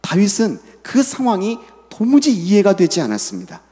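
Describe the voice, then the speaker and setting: A man's voice: high voice, huge pitch swings, normal speed, mellow. A middle-aged man preaching a sermon as senior pastor, leading the congregation in reading scripture and asking them questions. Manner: asks the listeners questions. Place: church sanctuary. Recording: long hall reverb.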